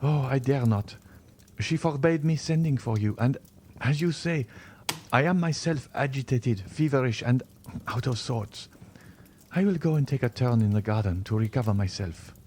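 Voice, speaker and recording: A man's voice: medium pitch, animated, moderate pace, a little mellow, slight background noise, pitched above the performer's own voice, lightly acted. A man voicing an anxious, tender young woman in an audiobook.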